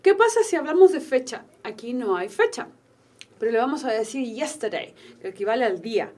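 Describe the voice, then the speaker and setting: A woman with a Chilean Spanish accent giving a recorded online English grammar lesson, explaining patiently and slowing down on example sentences. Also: a little high, big pitch swings, darkish tone. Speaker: English teacher.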